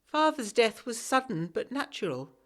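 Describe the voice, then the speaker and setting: A woman's voice: fairly high pitch, very animated, normal speed. A woman playing a prim, resolute young woman, narrating a period audio drama in the first person with formal diction and wry asides. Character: prim, secretive, resolute young woman telling her gothic tale.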